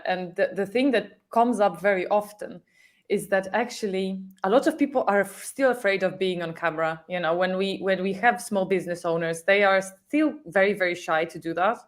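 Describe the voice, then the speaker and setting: A woman's voice: mid-range voice, fairly bright tone. Chatty woman guest on a panel show. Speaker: guest on a social media talk show. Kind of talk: casual panel discussion.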